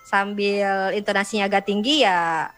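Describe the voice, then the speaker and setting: A woman who teaches English, a radio guest explaining in a relaxed, repetitive way. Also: mid-range voice, moderate pace, faint music behind. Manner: relaxed, explains by repeating phrases. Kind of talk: casual radio chat, explaining. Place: radio studio.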